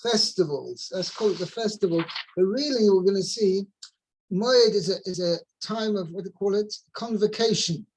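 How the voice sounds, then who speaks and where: Rabbi teaching Torah over a video call. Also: male voice, high-pitched, a little mellow, husky, low-quality recording. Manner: unhurried, searching for words, mixes in Hebrew terms.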